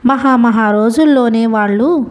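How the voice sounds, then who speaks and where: A woman's voice: on the high side, a little slow, lightly acted. A woman voicing a tearful middle-aged mother who reproaches her mother-in-law, crying as she speaks. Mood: reproachful. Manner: pleading, reproachful.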